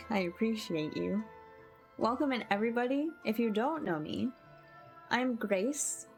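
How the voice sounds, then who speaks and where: A woman's voice: fairly high pitch, animated, a little slow, creaky. A woman livestreaming a game, chatting casually and effusively with her viewers and thanking them often. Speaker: game livestreamer and content creator. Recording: music playing behind the voice. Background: music.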